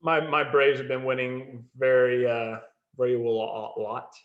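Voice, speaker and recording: A man's voice: medium pitch, flat delivery, a little slow. A man with a mid-range voice chats informally from home on a video call. The audio is dull and somewhat lo-fi, and his delivery is unscripted and conversational. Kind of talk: casual chat.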